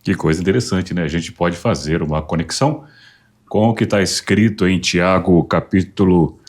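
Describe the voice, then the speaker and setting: A man hosting a church talk show, tying the guest's story to scripture with a measured, preaching cadence. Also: low-pitched, darkish tone. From Brazil. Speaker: host of a church program.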